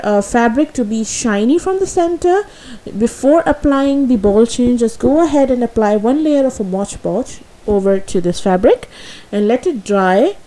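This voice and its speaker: A woman's voice: fairly high pitch, mellow, low-quality recording. A woman whose first language is Urdu, doing a slightly nervous voice-over for a jewelry-making tutorial, with frequent fillers and self-corrections. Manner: a little nervous. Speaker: craft tutorial host.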